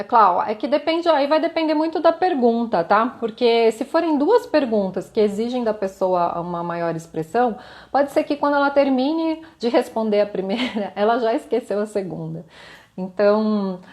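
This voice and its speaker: A woman's voice: a little high, animated, normal speed, darkish tone. A woman with a Brazilian Portuguese accent gives a live-streamed lesson, explaining in a conversational way, tagging her points with little questions and light laughs, and answering viewer comments. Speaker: communication instructor.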